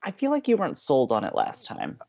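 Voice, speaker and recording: Perky young American man, quirky student DJ, animated mid-pitched voice, teasing, slightly dull recording. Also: a little fast, gravelly, exaggerated voice. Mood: eager. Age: young adult. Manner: upbeat, playful, teasing. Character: perky, eager, quirky young male college radio co-host. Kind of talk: audio drama dialogue as banter.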